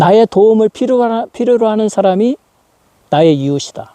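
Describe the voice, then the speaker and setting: A man's high voice has a dark, mellow tone and ordinary pitch variation. He speaks at a moderate pace in a dry, close sound with no echo. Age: 60s. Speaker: preacher. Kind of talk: sermon.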